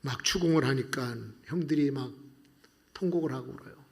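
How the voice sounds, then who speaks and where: A male pastor preaching a sermon, telling the story in an animated way that swings between loud passages and hushed ones. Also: mid-range voice, normal speed.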